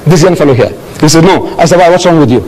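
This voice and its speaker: Man, lecturer taking questions, high-pitched, storytelling, repeats phrases. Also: racing, low-quality recording. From South Africa. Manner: animated storyteller, repeats key phrases, chuckles. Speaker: religious lecturer answering audience questions. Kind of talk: lecture Q&A, anecdotal.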